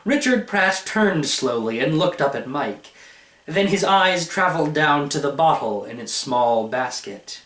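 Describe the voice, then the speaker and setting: A man reading a short story aloud as narrator, in an expressive scripted style. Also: fairly high pitch, unhurried. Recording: echoey room.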